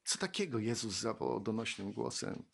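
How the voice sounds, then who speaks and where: A man preaching a sermon, reading Bible verses and speaking slowly and reflectively, then rising into fervent exclamations. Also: fairly low pitch, expressive, gravelly, a little hiss or hum.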